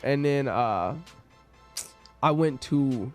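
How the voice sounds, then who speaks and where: A man's voice: mid-range voice, animated, very slow, soft background music. A young man chatting as a guest, retelling events by quoting himself and laughing often. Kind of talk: casual interview chat.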